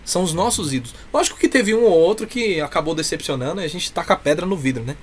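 Higher-voiced effusive Brazilian man, noisy recording. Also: lively intonation, quick pace. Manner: effusive, talkative. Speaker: interview guest, clown performer. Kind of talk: casual chat. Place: indoors, small room with cloth backdrop.

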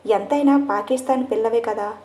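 A woman's voice: a little high, brisk, mellow, close to an everyday voice. A woman narrator voicing an exasperated but affectionate young husband. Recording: echoey room.

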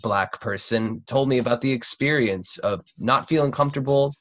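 Blunt young American man, mid-pitched. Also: normal speed, fairly bright tone. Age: young adult. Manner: blunt, slangy, sweary. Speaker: panel participant. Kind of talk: casual chat. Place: cluttered room at home. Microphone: video call.

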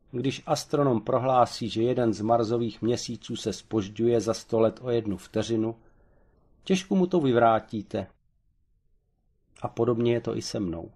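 A man's voice: mid-range voice, vocal fry, a little mellow, breathy edge. A man voicing a self-assured male expert on the supernatural who lectures in a dry, unruffled way in an audiobook. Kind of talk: audiobook character voice.

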